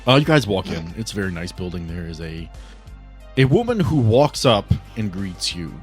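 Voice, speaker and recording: A man's voice: deep voice, big pitch swings, moderate pace. A man runs a tabletop game as its game master, describing scenes off the cuff. His delivery is informal and conversational, with background music beneath him. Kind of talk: improvised tabletop game narration.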